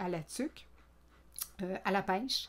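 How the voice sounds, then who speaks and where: Her pitch sits in the middle range for a woman. It shifts up and down in an ordinary way. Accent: Quebec. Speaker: knitting vlogger. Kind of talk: casual vlog talk to camera. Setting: home office. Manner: hesitant, many fillers.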